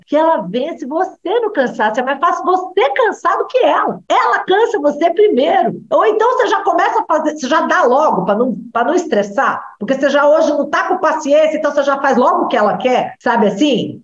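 A Brazilian woman hosting a live talk, animated, often asking viewers questions and acting out children. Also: high-pitched. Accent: Brazilian Portuguese. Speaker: channel host talking about child behavior. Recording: roomy, slightly dull livestream audio.

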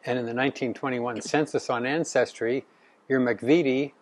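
A man's voice: mid-range voice, fairly even intonation, normal speed. A Canadian man co-presenting a genealogy talk, who talks conversationally and recounts his own record searches. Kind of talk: informal presentation to a local society.

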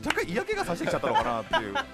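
A young man with a high, lively voice runs a radio talk show, talking fast and full of energy into a studio boom mic. His delivery bounces all over the place. Music plays clearly underneath. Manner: bright, energetic, chatty. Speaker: radio host. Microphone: studio mic on boom arm.

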